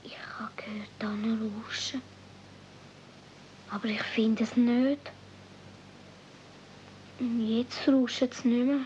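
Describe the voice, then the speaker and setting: Little alpine girl, really high childlike voice, naive, muffled old radio tape. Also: fairly even intonation, slow, long pauses, dark tone. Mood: timid, wistful. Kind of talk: 1970s radio play acting. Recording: dull, noisy old radio play recording.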